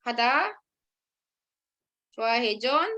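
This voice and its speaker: A woman teaching a language lesson, ending phrases with quick check-ins to her students. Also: on the high side, expressive, bright, forceful tone, dull audio. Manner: tags sentences with "ya" and calls on students.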